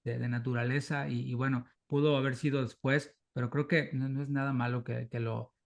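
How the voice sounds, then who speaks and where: A man with a Mexican Spanish accent interviewing a guest, speaking reflectively with halting false starts and repeated words. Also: medium pitch, level tone, creaky. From southern Mexico. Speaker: church interviewer.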